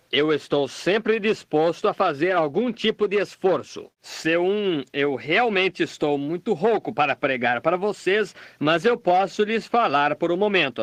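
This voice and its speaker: A man reading a dubbed sermon and prayer in a plain, measured preaching delivery with small restarts. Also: a little high, fairly bright tone, no echo. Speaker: voice-over dubbing a preacher.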